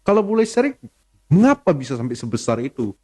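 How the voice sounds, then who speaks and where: A man's voice: fairly high pitch, big pitch swings, fast, a little mellow, breathy edge. Polite young male interviewer. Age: young adult. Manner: polite, formal, encouraging. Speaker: host. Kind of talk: interview questions.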